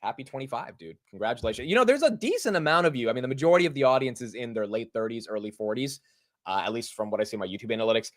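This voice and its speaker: A man's voice: mid-range voice, animated, very fast, no echo. A man in his late twenties hosting a live market stream, chatting casually in an upbeat, slangy way and greeting viewers. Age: 20s. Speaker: livestream host.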